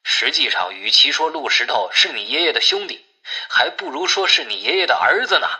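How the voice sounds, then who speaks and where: Man acting sharp-toned, anxious village kinsman. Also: mid-range voice, very animated, a little fast, exaggerated voice, low-quality recording. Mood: gossiping. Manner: pleading, sighing. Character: anxious, resigned male village kinsman relaying bad news.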